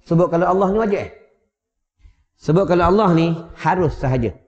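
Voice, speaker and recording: A man with a Malaysian Malay accent giving a religious lecture in a prayer hall, conversational and joking, at times chanting drawn-out prayers. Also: on the high side, darkish tone. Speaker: religious teacher. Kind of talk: mosque lecture. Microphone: wireless mic. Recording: echoey hall, dull sound.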